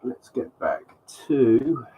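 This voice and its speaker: Man, head cold, sniffly, slow-talking, full of ums, casual live stream commentary. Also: medium pitch, big pitch swings, lo-fi sound, slight background noise. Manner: rambling, many ums and restarts.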